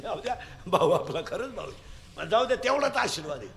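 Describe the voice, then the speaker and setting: A man giving a comic devotional kirtan sermon, joking and telling lively stories with acted-out quotes. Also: high-pitched, a little fast, creaky. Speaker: kirtan preacher.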